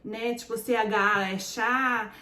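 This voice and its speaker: Speaking slowly in an echoey room, this woman has a slightly high, bright, forceful voice with fairly even intonation. She's a Brazilian vlogger in her forties with a Brazilian Portuguese accent, chatting casually about her story, saying "gente" to viewers and filling her speech with fillers.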